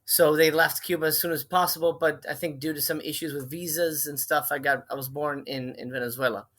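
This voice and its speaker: A man's voice: fairly high pitch, steady tone, brisk, a bit bright. A middle-aged man from Miami, a film director talking casually as an interview guest, chatty and full of fillers and restarts. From Miami, Florida.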